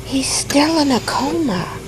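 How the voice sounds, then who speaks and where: A woman as a high-voiced, lively hospital staffer. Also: a little slow, background noise. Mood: gossipy, sympathetic. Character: casual hospital staffer woman passing on patient news. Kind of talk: audio drama dialogue.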